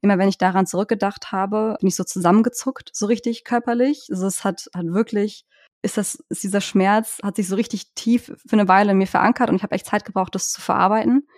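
A woman's voice: mid-range voice, fairly even intonation, quick pace, a little mellow, no room sound, clean studio sound. A woman co-hosting a podcast, speaking in a reflective, hesitant way with frequent restarts. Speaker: podcast co-host. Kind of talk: casual podcast chat.

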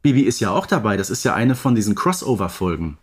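A man's voice: on the low side, big pitch swings, quick pace, slightly rough. A man co-hosting a podcast, chatting casually about audio dramas. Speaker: podcast co-host.

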